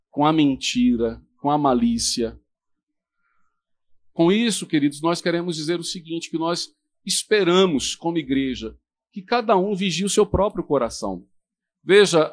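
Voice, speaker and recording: A middle-aged Brazilian man preaching a sermon as pastor, exhorting his congregation, dropping to quiet asides and rising to loud emphatic bursts. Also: a little high. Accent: Brazilian Portuguese.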